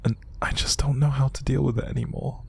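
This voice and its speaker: A man acting an upset, exhausted young man in an intimate audio roleplay, speaking in a hushed, halting, breathy and gravelly voice. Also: mid-range voice, level tone, whispered. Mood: weary, fed up. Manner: halting, sighing, hushed, naturalistic delivery. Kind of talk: intimate audio roleplay monologue to an unseen listener.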